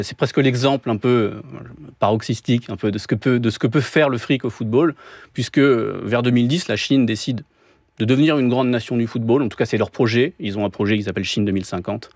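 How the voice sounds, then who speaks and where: A man in his thirties from France, a novelist answering interview questions in a thoughtful, hesitant way with many pauses. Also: mid-range voice, darkish tone, dry recording, studio quality. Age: 30s. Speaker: novelist guest.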